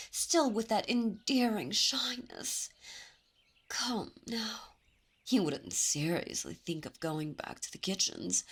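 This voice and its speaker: A woman voicing a dominant, possessive demon princess in an ASMR roleplay, speaking in a silky, commanding way with soft whispers. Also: medium pitch, husky, heavily acted. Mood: seductive. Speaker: voice actor. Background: birdsong and ambient sound effects.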